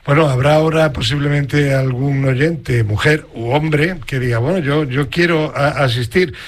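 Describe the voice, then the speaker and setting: A man's voice: a little high, normal speed. A man from southern Spain hosting a radio interview, friendly and chatty with his guest. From Spain, Granada. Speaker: radio host.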